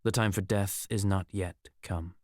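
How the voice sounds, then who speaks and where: Man playing a low-voiced, menacing mad mage. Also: unhurried, no echo, clean studio sound. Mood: cold, menacing. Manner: odd inflections, sardonic, expressive delivery. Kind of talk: audiobook character acting.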